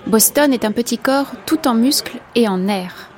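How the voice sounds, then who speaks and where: A woman reading scripted radio documentary narration in a measured, composed way. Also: fairly high pitch, a crowd in the background.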